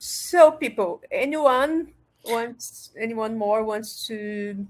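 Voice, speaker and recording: In a Portuguese accent, a woman speaks very slowly at a fairly high pitch, with ordinary pitch variation. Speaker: event moderator, postdoctoral researcher. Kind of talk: moderating online Q&A. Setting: video call.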